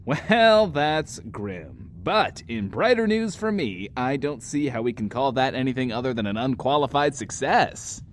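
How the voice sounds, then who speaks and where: Animated, self-absorbed radio DJ, played by a man. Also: medium pitch, a little slow, hardly any pauses, a little hiss or hum, lightly acted. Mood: breezy. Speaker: radio show host. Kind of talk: in-world radio show acting.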